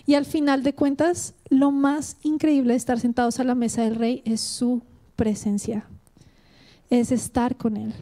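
A woman preaching a sermon in a fairly high, mellow, warm voice. She speaks with earnest, heartfelt feeling, addressing the congregation directly as she weaves personal testimony into her preaching. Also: steady tone, a little slow.

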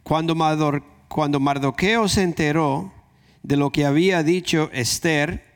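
A man's voice: a little high, a little slow, smooth. A man with a Dominican accent preaching a conversational sermon, repeating key phrases for emphasis. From Dominican Republic.

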